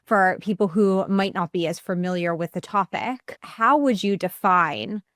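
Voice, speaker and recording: A woman's voice: medium pitch, a little slow, a bit bright, no room sound, studio quality. Upbeat chatty woman podcast host. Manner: upbeat, chatty, laughs easily. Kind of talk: podcast interview.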